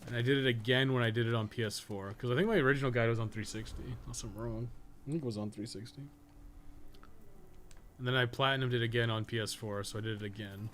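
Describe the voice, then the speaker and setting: This streamer and podcast co-host talks quickly in a medium-pitched, steady, somewhat bright voice, rambling casually and cursing a lot while commenting on his game live. Video game sounds and dialogue make the recording clearly noisy.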